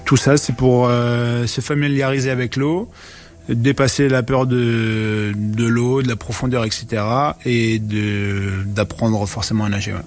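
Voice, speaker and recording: A man's voice: mid-range voice, level tone, unhurried, faint music behind. A man who works as a lifeguard talks in a recorded news clip. He speaks with a mid-range voice and often stalls and restarts as he searches for his words. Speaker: lifeguard interviewed in a news report.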